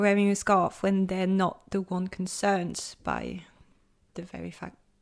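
In a very clean recording with a silent background, a woman with a non-native accent speaks fairly slowly at a medium pitch. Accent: posh-sounding non-native English. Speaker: podcast host, student. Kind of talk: casual interview.

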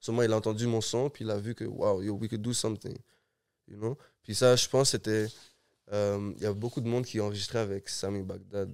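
A man's fairly low, monotone, flat voice at a fairly quick pace, on a very clean recording with a silent background. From Montreal, Côte-des-Neiges. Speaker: rapper and producer. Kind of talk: casual interview chat.

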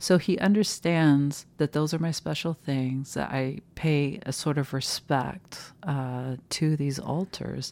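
With an American accent, a woman speaks very slowly and with hardly any pauses, her voice very deep and low, dark and mellow in tone, with ordinary pitch variation, on a very clean recording with a silent background. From US Midwest. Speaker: occult practitioner and parent. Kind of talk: casual chat interview. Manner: hesitant, many fillers and restarts.

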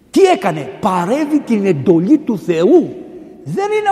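A man speaks at a fairly slow pace, his pitch swinging very widely. Noticeable background noise runs underneath. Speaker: Orthodox priest and preacher. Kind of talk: sermon. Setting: church.

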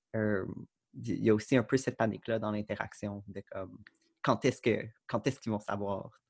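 The recording is very clean, with a silent background. The speech moves at a fairly quick pace but has long, frequent pauses. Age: late 20s. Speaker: podcast host. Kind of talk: casual chat.

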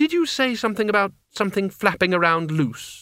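Putting on a character voice, a woman sounds strained at a medium pitch. Her pace is fairly quick. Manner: tight, strained, forcing herself to hold together.

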